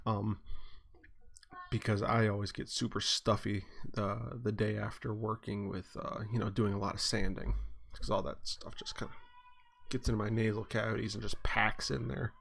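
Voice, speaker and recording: A man's voice: fairly low pitch, flat delivery, normal speed, creaky, fairly bright tone. A man hosting a casual live-stream chat. He rambles with plenty of fillers and restarts, and sounds stuffy and sniffly. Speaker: host.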